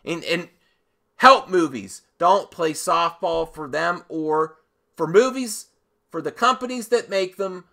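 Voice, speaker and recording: A man hosting an opinionated movie commentary, with a very bright, forceful voice pitched a little high. He speaks slowly and emphatically, breaking his points up with dramatic pauses and repeating phrases to drive them in. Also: vocal fry. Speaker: host of a movie commentary channel. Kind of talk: opinionated video commentary rant.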